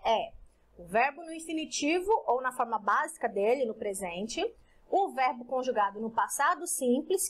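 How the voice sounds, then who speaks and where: A Brazilian woman with a high, light voice and a Brazilian Portuguese accent leads a recorded English lesson. She explains grammar rules step by step in a patient, didactic way. She keeps checking in with her students as she goes. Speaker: English teacher.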